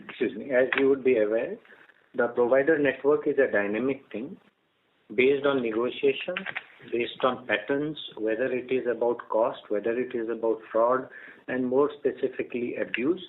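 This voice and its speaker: A man answers formally and deliberately as a company executive. His pitch is average, and he is heard over a tinny phone line with slight noise. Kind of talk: earnings call answer.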